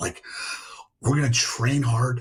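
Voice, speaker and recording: A man speaks somewhat breathily at a fairly slow pace. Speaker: business coach and entrepreneur. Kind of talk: interview.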